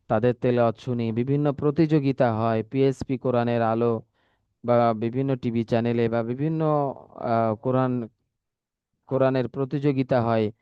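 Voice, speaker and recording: A man gives a patient, step-by-step lesson and repeats key points. His voice is smooth and resonant but sounds a bit dull, and the room sounds dry. He stretches words out slowly when he demonstrates them. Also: medium pitch, dry recording. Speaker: Quran recitation teacher. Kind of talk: spoken lesson.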